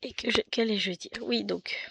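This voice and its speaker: Middle-aged french woman rambling about her stitching, gravelly voice, faint hiss behind. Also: medium pitch, steady tone, moderate pace, pushed and bright. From France. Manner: chatty, rambling, self-mocking with many asides and restarts. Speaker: cross-stitch vlogger. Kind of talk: casual chat.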